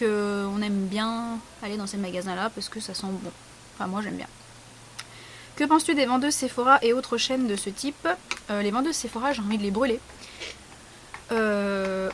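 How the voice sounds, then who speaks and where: A woman's voice: mid-range voice, a little hiss or hum. A young woman vlogger talking casually and bluntly, sarcastic and frank, with lots of fillers. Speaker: beauty vlogger. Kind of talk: casual vlog answering a question tag.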